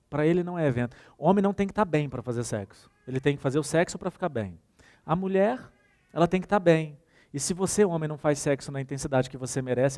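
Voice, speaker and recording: A man with a Brazilian Portuguese accent giving a workshop talk, telling anecdotes, acting out the dialogue and speaking straight to his audience. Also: fairly high pitch. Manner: animated storytelling, acts out dialogue; addresses audience directly.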